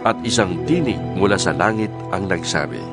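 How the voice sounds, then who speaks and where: Expressive male scripture narrator. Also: low voice, moderate pace. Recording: faint music behind narration. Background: music.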